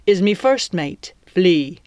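A woman's voice: fairly low pitch, animated, slow, a little mellow, no echo. A woman voicing a menacing male pirate captain in an audiobook, with a commanding, taunting, theatrical manner. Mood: smug, grand.

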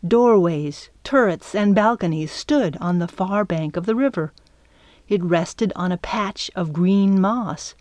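A woman reads a children's story aloud in a calm, measured way, her voice fairly low and unhurried. The recording is close and dry, with no room sound. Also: no echo. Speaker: audiobook narrator. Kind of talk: scripted narration.

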